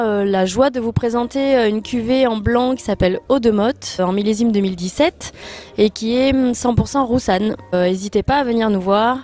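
A woman's voice: fairly high pitch, a little mellow. A woman in her thirties, a winemaker, presenting her wine with small fillers into a handheld mic. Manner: brief promo with fillers.

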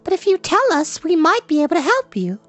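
A man's voice: very high-pitched, huge pitch swings, fairly quick, fairly bright tone, pitched above the performer's own voice, exaggerated voice. A man voicing an outspoken, indignant young princess in a scolding, commanding way, as in a storybook reading. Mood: offering help. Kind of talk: dramatised audiobook reading.

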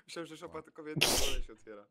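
A man's voice: a little high, very fast, very noisy. A man gaming with friends, easygoing and often laughing. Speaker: game player. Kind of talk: casual gaming banter.

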